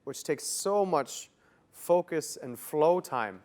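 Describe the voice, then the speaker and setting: A young Canadian man, appearing as an interview guest, answers in a loose, relaxed way packed with "like" fillers. His voice is fairly high and he takes his time.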